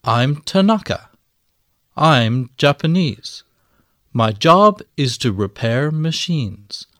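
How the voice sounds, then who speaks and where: A man reading scripted language-lesson audio, enunciating each word slowly and clearly. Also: on the high side, animated, fairly bright tone, dry recording, clean studio sound. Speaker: textbook audio reader.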